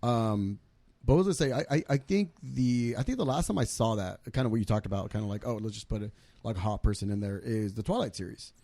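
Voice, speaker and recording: A man's voice: lowish voice, fast talker, no echo. A man co-hosting a podcast in casual chat, joking and swearing freely. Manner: profane, lively, joking. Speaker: podcast co-host.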